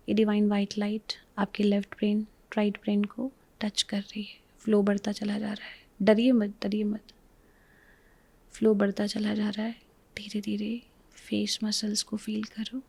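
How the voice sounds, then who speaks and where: A woman with an Indian accent leads a guided relaxation in a soothing, repetitive, reassuring way, with a breathy voice that often drops to a whisper. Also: mid-range voice, completely flat delivery, unhurried, warm tone, no room sound. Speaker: spiritual healer leading a guided relaxation. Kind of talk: guided meditation, hypnotic instruction.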